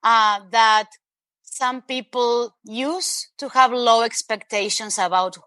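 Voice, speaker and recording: Spanish-accented lady guest on a video call, bright and a bit high, earnest and emphatic. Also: takes it slowly, clear, resonant tone, no echo. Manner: earnest, emphatic, addresses host by name. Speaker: author and interview guest. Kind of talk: animated interview talk.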